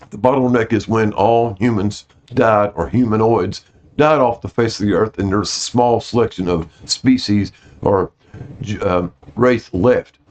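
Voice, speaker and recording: A man with a lowish, a little mellow voice reads his notes aloud to viewers informally, tripping over some words and correcting them. He sounds apologetic about his pronunciation, and the audio is dull lo-fi.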